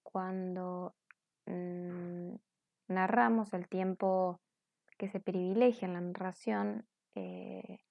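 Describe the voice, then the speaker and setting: A woman's voice: on the low side, fairly even intonation, slow, dry recording, highs cut off. A woman teacher going over corrected grammar exercises in a patient, explanatory way, often checking in with her students. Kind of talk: recorded class correction lesson.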